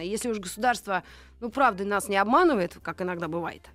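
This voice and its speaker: A woman with an animated tone and lively intonation, with music in the background. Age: 40s. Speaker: radio host. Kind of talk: casual chat. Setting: studio.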